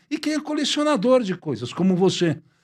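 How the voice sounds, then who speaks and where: A man speaks at a high pitch, his voice swinging very widely up and down. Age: 60s. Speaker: journalist. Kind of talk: casual interview storytelling.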